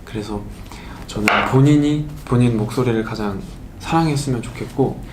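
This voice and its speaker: A young man speaks very quickly in an earnest, reflective way. His voice rings in an echoey room, with noise clearly heard behind him. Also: medium pitch. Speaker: K-pop idol. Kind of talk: casual chat.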